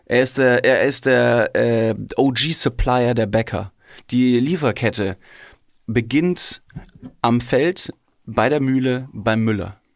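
Young male podcast co-host from Bavaria, gravelly voice, dry close mic, rambling banter. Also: mid-range voice, takes it slowly, no echo. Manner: rambling, explains jokes. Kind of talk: casual comedic chat.

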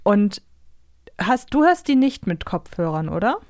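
A woman's voice: mid-range voice, sing-song, measured pace, a little mellow, no room sound. Woman podcaster, dry close sound. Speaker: podcast co-host. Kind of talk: casual conversational podcast chat.

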